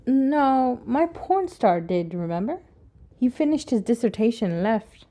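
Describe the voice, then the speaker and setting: Mellow, cheeky flirt. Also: female voice, a little high, sing-song, a little slow. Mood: playful. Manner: coy, suggestive. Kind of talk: audio drama acting.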